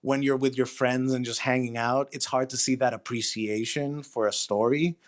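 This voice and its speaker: Hesitant man in his thirties, medium pitch. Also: fairly even intonation. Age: 30s. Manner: hesitant, self-effacing, halting. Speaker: author, interview guest. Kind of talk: casual, candid interview talk.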